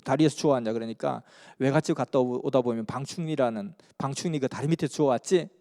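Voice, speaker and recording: A man's voice: mid-range voice, fairly quick, warm tone. A man from Busan, earnestly telling a story in a sermon. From Busan, South Korea. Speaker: preacher. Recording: long hall reverb.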